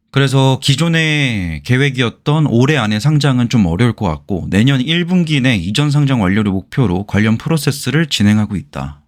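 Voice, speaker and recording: A man giving explanatory commentary in an informal way, as the host of an investment channel. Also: medium pitch. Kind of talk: explanatory commentary on company earnings.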